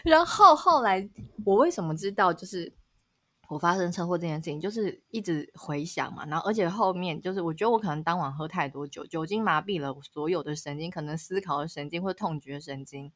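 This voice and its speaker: Female podcast co-host, lively storyteller who laughs a lot. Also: fairly low pitch, a little fast. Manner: animated storyteller, laughs often, rises sharply at dramatic moments. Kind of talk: casual chat, telling a story.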